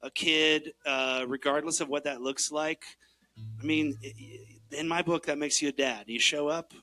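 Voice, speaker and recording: Bright high-voiced joking male host. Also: steady tone, moderate pace, soft background music. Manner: upbeat, joking. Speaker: podcast co-host. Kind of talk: live podcast chat. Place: live show venue.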